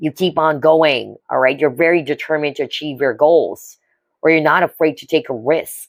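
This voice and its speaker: A woman with a very deep, low pitch speaks with fairly even intonation at a moderate pace. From Philippines. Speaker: tarot reader. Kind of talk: tarot reading to camera. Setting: to camera. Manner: stumbling over words in parts.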